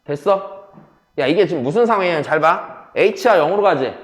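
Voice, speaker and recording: A man's voice: on the high side, expressive, moderate pace, echoey room. A man teaching a math class, switching between casual and polite speech and often checking whether students follow. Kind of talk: classroom lecture.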